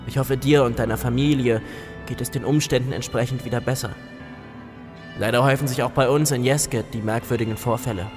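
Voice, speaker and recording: A grave, courteous gentleman, played by an actor reading a letter in a horror radio play. His delivery is formal and measured, medium in pitch, over loud music. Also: fairly even intonation, natural voice. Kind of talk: scripted letter reading in horror audio drama.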